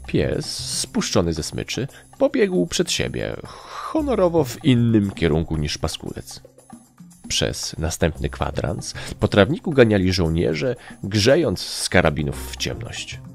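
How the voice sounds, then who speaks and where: An audiobook narrator with a deep, gravelly male voice gives a dramatic reading, a little slowly, with faint music behind him. His storytelling is lively, and he raises his voice when acting out characters.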